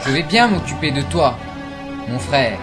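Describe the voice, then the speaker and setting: Man acting a solemn, high-pitched anime warrior brother. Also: very animated, measured pace. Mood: sorrowful, resolute. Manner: solemn, theatrical, shouts attack names. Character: grave older-brother warrior, cold but secretly loving. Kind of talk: amateur anime parody voice acting. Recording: amateur recording under loud music.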